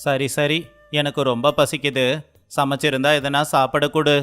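A man's voice: mid-range voice, flat delivery, moderate pace, a bit bright, smooth, soft background music, lightly acted. A man playing a caring young village man in a children's moral story, speaking in an earnest, familiar way like a grandson. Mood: curious, familiar.

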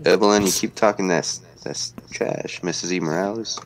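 Deep-voiced young man chatting on stream. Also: steady tone, moderate pace, a little hiss or hum. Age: 20s. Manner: laid-back slangy banter, reads chat aloud. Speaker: livestream host. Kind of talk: casual livestream chat. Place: indoor home room, webcam stream.

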